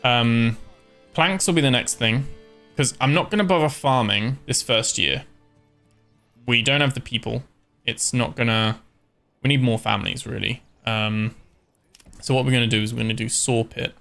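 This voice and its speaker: A man giving relaxed, casual commentary as he streams a strategy game, thinking aloud with frequent ums. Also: mid-range voice, normal speed, vocal fry, soft background music. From born in Scotland, raised in Ireland. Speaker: live-streamer.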